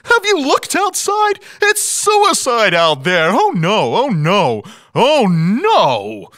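A gleefully mocking cartoon animal. The voice leaps high with wildly swinging pitch, drawling incredulously at a slow pace. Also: male voice, wildly swooping pitch, a bit bright, no room sound, studio quality, exaggerated voice. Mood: mocking glee. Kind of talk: animated film character.

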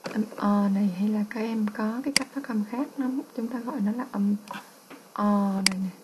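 A woman's voice: mid-range voice, normal speed, background noise. A woman English teacher with a Vietnamese accent, patiently explaining test answers and repeating each word.

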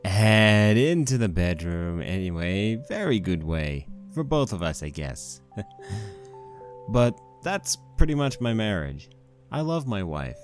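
A man playing a young married stallion pony husband, rambling wryly and sheepishly through a fan fiction monologue. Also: sits low. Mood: sheepish, fond. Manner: conversational, rambling, wry.

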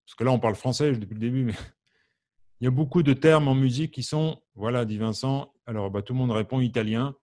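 A man's voice: mid-range voice, fairly quick, warm tone. A man from France's Champagne region teaches a live online harmonica class. He talks in a loose, chatty way, poses questions to his viewers and answers them by name. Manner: asks the audience questions, many fillers. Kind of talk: live online music lesson.

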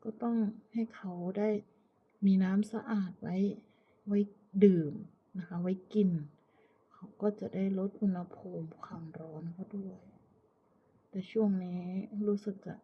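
A woman from Thailand chatting casually and politely to viewers as a pet owner, in an unhurried, coaxing manner. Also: mid-range voice, slight background noise. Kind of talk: casual chat to viewers while watching her pet cat. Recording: muffled, lo-fi, phone-like narrow sound.

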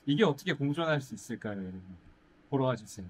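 A young man, a musical actor, chatting in a casual Q&A, pausing thoughtfully to search for words. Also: medium pitch, lively intonation. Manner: thoughtful, drawn-out pauses while searching for words. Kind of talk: casual Q&A chat. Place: indoor stage set, seated.

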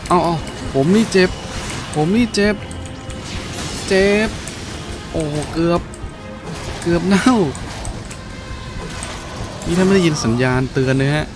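A man's voice: high-pitched, animated, slow, long pauses, over music. A man giving casual, playful let's-play commentary, full of exclamations and his own vocal sound effects. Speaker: gaming video host.

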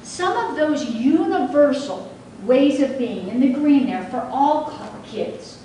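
A woman's voice: high voice, expressive, slow pace, mellow, a little hiss or hum. Echoey woman presenter heard from afar. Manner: engaging, asks the audience questions. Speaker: workshop facilitator. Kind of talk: teacher training presentation. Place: large training room with seated audience. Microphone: room recording from the back. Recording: very echoey room from far off.

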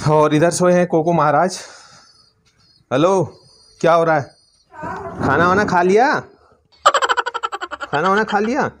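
A middle-aged man from Uttarakhand, India, chatting casually and teasingly as he vlogs daily village life into a phone held at arm's length. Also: mid-range voice. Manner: teasing, playful chatter with family, animals and children. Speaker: village family vlogger. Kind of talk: casual vlog chat, narrating daily life and talking to those around. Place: village home, mostly outdoors in yard and fields.

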